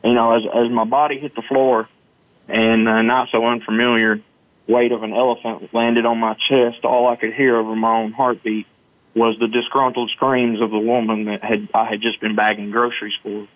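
A man's voice: mid-range voice, flat delivery, normal speed, no echo. Southern man on a phone-like line. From Arkansas, United States. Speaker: guest, motivational storyteller. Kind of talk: personal storytelling in an interview. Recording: muffled phone-like line, dry.

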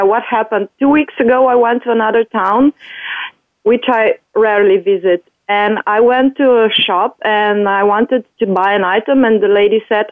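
A woman's voice: medium pitch, dry recording. A woman from Slovenia calling in to a talk show, chatting and telling a short story. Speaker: caller. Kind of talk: casual call-in chat. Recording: dry tinny phone line.

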